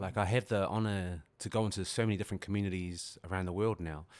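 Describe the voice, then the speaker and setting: A man with a New Zealand accent and a very deep, low pitch, ordinary pitch variation, a fairly quick pace, and a very clean recording with a silent background. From New Zealand, Christchurch. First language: Samoan. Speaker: family violence prevention worker and former barber. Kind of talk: podcast interview. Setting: café studio. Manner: halting, many fillers.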